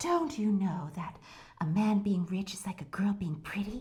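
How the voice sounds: This put-on character voice is breathy and moves at a moderate pace. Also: woman, medium pitch for a woman.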